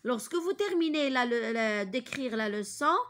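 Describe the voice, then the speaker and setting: A woman's voice: fairly high pitch, animated, fairly bright tone. Hesitant woman teaching grammar. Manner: hesitant, many fillers and restarts; repeats key words slowly for dictation. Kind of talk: grammar lesson for pupils.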